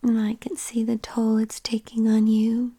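A woman whispering softly and tenderly into a close mic in an intimate ASMR roleplay. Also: a little high, completely flat delivery, unhurried, husky. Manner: tender, soothing.

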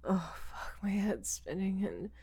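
A woman's voice: mid-range voice, sing-song, measured pace, gravelly, dark tone, breathy edge, exaggerated voice. A woman playing a drugged, frightened young woman held captive, stammering and sighing as she pleads. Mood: desperate. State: dizzy and drugged.

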